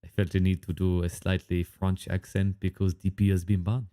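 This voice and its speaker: A man's voice: low-pitched, level tone, dark tone. A man casting a live esports match, chatting loosely with a co-caster and trailing off into asides. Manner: chatty, quick asides, filler-heavy. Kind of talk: live game commentary.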